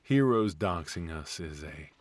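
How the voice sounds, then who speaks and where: Casting: male actor as retired supervillain husband for comedy ASMR, very low, slow drawl, teasing and theatrical. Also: animated. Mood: dry, joking. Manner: theatrical, drawling, mock-sinister.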